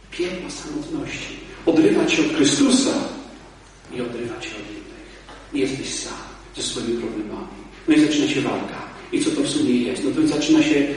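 A priest who is also an exorcist addresses a church audience in a lively, conversational talk, swinging between loud emphasis and quiet asides. The mic is far away, and the hall echoes.

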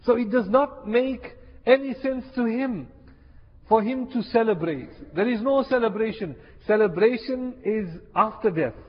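Impassioned high-voiced male preacher. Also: unhurried. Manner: impassioned, repeats key phrases for emphasis. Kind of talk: sermon. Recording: echoey hall, dull lo-fi sound.

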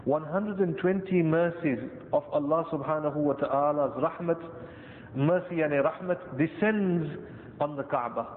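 A man with a South Asian accent giving a Muslim sermon, deliberate, in short phrases with pauses and repetition. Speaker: Muslim preacher. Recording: tinny band-limited echoey hall, rumbly noise.

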